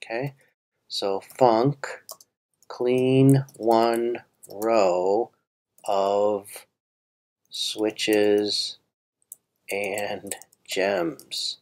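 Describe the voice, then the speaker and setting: A man's voice: on the low side, extremely slow, vocal fry, pauses often, a little mellow. A man walking through a coding puzzle on screen, thinking aloud with fillers and restarts. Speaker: coding tutor. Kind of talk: screen-recorded coding walkthrough.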